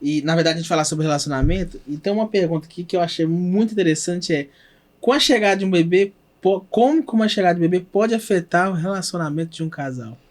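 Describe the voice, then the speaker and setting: A man with a Brazilian Portuguese accent hosting a podcast, chatting in a relaxed way and telling personal anecdotes. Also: sits high, quick pace. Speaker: podcast host. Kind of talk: casual conversational interview.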